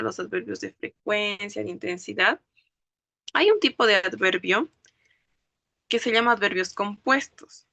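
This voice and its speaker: A woman delivers an online language lecture in a bright, forceful, medium-pitched voice with no echo. Step by step she explains the rules, breaking words into syllables and regularly asking students whether they understand.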